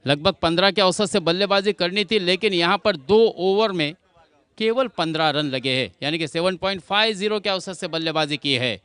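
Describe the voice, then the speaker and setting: A man's voice: high voice, moderate pace, a bit bright, clean tone, dry recording. A man giving live cricket commentary, explaining the play and addressing viewers as friends.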